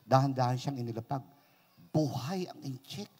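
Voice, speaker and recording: A man who is a Catholic priest, giving a humorous sermon with animated, joking storytelling in a church. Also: mid-range voice, moderate pace, husky.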